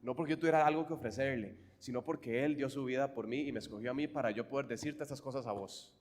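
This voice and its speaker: A man with a Costa Rican accent preaching a sermon, swinging fervently from hushed, quiet lines to loud, emphatic ones. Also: mid-range voice, quick pace, in a large hall. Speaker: pastor.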